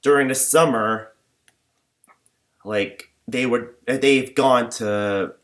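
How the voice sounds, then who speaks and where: A young man rambling in a personal vlog, talking in a flat monotone with many fillers and false starts. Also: mid-range voice, extremely slow. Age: young adult. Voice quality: limited, flat range. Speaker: vlogger.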